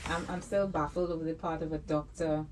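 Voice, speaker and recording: A woman radio host interviewing a guest, encouraging and quick with short acknowledgements. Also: low-pitched, steady tone, noisy background.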